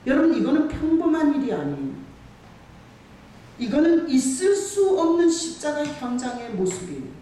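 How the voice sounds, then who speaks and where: A pastor preaching a sermon in a church, emphatic and quick to throw rhetorical questions at the congregation. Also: high voice, very animated, dark tone. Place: church sanctuary. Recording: very echoey church hall, far from the mic, faint hiss.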